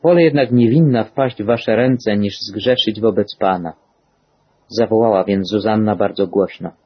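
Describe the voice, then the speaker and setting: A man reads scripture aloud in a solemn, measured manner. His voice sits fairly low and has a husky grain. The recording sounds muffled and lo-fi. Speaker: scripture reader. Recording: dull lo-fi recording.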